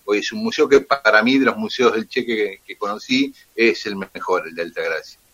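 A man's voice: on the low side, normal speed. A man with an Argentine accent, a radio guest telling history in detail with frequent fillers. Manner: detailed, steady, with "eh" and "este" fillers. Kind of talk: storytelling on radio.

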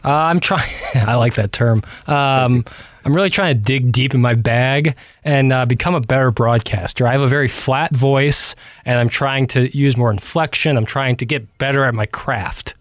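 A man's voice: medium pitch, moderate pace, no room sound, clean studio sound. A man co-hosting sports radio, chatting casually in a self-deprecating, mock-earnest way. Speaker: radio producer and co-host. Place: radio studio. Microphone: close studio microphone.

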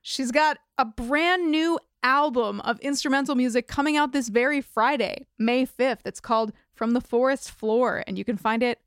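A woman's voice: high-pitched, normal speed, few pauses, clear, resonant tone, dry recording. A woman co-hosting a podcast, chatting casually with dry, wry humor. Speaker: podcast co-host. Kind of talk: casual chat.

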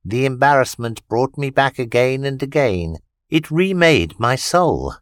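A man voicing an earnest, gentle alien child who speaks in a polite and precise way. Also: mid-range voice, expressive, measured pace, no room sound, clean studio sound, voice pushed up. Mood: reflective.

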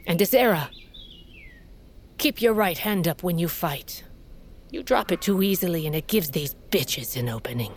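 An actress playing a fierce, aging tribal queen and mother in an audio drama, speaking in a grave, measured way and sometimes coughing from sickness. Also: animated, a little hiss or hum. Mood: weary tender. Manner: grave, measured, low storytelling delivery. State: sickly, coughing.

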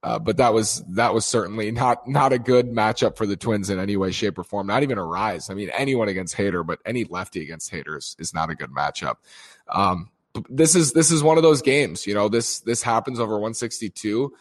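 A man with a strained, hoarse voice giving a casual, rambling recap of a baseball game, with lots of fillers and restarts. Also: on the low side, lively intonation, a little fast. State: strained voice from screaming. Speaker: sports commentator.

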